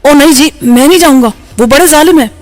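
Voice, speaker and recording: A man's voice: very high voice, expressive, fairly bright tone, in a large hall. A man voicing a frightened old male driver who stammers and pleads.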